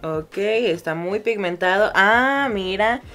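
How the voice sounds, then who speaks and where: A woman's voice: mid-range voice, takes it slowly, fairly bright tone, faint music behind. A young woman with a Mexican accent chatting casually through a makeup tutorial, self-mocking and swearing freely. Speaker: beauty vlogger.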